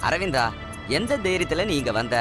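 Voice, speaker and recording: A man's voice: a little high, sing-song, fairly quick. A man acting a hostile shopkeeper in a dubbed film drama, warning someone off. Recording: film soundtrack with music beneath.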